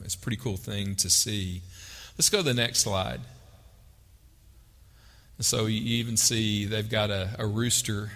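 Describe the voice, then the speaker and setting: A man's voice: on the low side, vocal fry, a bit bright. A man with a Texas accent preaching a sermon, reading scripture aloud and talking it through conversationally, asking his listeners questions. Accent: Texan. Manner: conversational, asks the audience questions. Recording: long hall reverb.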